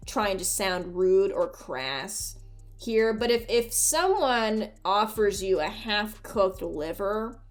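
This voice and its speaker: A woman with a medium-pitched voice delivers casual video commentary as a host. She is irreverent and joking, swears freely, and talks to her audience in a loose, conversational way.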